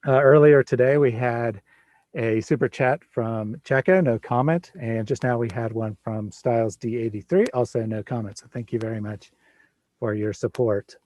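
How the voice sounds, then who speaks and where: Relaxed chatty man in his forties. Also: mid-range voice, moderate pace. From Midwest United States. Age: 40s. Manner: relaxed, chatty, laughs often. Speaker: livestream host. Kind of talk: casual livestream chat.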